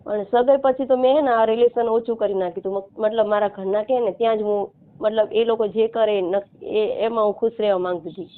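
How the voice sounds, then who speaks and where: A woman in her thirties from Gujarat with a Gujarati accent, explaining haltingly and repetitively as a caller seeking help. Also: medium pitch, steady tone. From Gujarat, India. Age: 30s. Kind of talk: casual phone conversation. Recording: narrow, muffled phone-call line.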